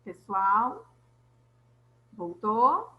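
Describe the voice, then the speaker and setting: A woman's voice: medium pitch, very animated, very slow, echoey room, narrow, tinny audio. A woman teacher giving an online class, explaining step by step and checking in with her students.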